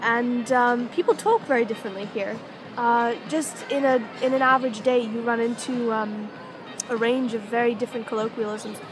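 A woman with an American accent speaks at a moderate pace and fairly high pitch in a monotone, flat intonation, the sound dry with no echo over noticeable background noise. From United States. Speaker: vlogger and hospital researcher. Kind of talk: casual vlog monologue. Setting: outdoors in a busy city square. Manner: hesitant, many filler words. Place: street. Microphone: phone near.

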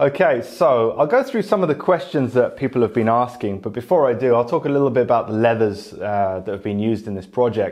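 A man against a quiet background. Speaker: leathercraft teacher. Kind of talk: live stream product talk. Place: workshop. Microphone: lapel.

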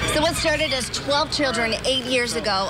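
A woman at a moderate pace, with crowd noise in the background. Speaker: TV news reporter. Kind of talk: news stand-up. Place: shop. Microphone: handheld.

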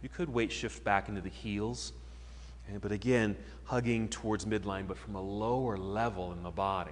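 A man's calm, fairly low voice with vocal fry, very wide pitch swings and a moderate pace. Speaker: yoga instructor. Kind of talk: guided yoga class instruction. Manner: brisk, cueing poses in rhythm with breath; calm, encouraging. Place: gym.

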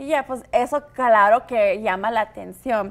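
The speaker is a woman. Her intonation is lively. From US Texas, El Paso (Mexican-American); Texas. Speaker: singer and blogger; blogger. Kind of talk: casual interview chat. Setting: studio. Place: studio.

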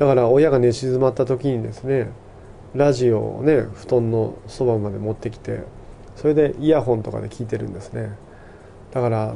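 Delivered at a moderate pace with fairly even intonation, the speech has big swings in loudness and long, frequent pauses. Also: man. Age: 50s. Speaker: radio show host, writer. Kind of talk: solo radio monologue.

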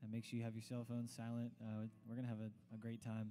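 A man talking at a fairly quick pace, music playing behind him. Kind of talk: stage welcome and spoken prayer. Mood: earnest, prayerful. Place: stage. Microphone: handheld.

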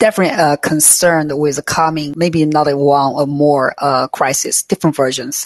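Over a quiet background with dry sound and no echo, a woman speaks at a moderate pace in a Chinese accent, her pitch very deep and low. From China. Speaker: audience member. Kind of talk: audience question. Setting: video call. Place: home room. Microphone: video call.

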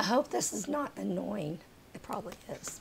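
With noticeable background noise behind her, a woman talks at a fairly slow pace. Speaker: beauty YouTuber. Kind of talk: casual haul video talk to camera.

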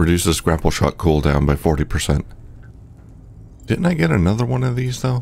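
A man with a very deep, low pitch talks fairly quickly in very even loudness, his pitch swinging very widely, with long, frequent pauses and noticeable background noise behind him. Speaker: gaming let's play streamer. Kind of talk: casual gameplay commentary. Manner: casual, hesitant with fillers.

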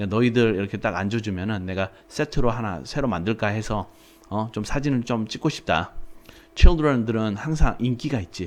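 Lively intonation marks a man's unremarkable speaking voice, pitched medium and delivered at a moderate pace. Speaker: English teacher. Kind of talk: tutorial.

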